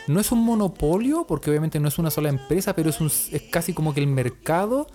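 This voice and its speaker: A man's voice: fairly high pitch, lively intonation, fast, warm tone, soft background music. A man from Chile with a Chilean accent, telling stories in a casual chat as a podcast co-host, full of slang and swearing and comically exasperated exaggeration.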